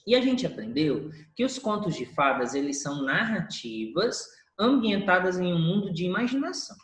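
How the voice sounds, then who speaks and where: A woman teacher giving a review lesson, drawing out syllables to show word stress. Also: fairly low pitch. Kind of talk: recorded class review lesson. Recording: echoey room.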